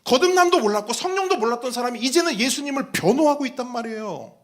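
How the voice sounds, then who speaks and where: Lively high-voiced preaching pastor. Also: male voice, fast. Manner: animated preaching, asks the congregation questions, acts out quoted voices. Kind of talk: sermon.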